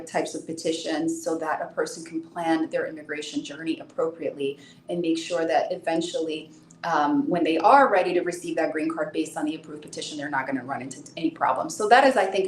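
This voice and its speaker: A woman's voice: low voice, roomy sound, low-quality recording. A woman in her thirties, born in Brazil with Portuguese as her first language, answering interview questions as an immigration attorney in an earnest, explanatory way, often repeating a word as she starts a phrase.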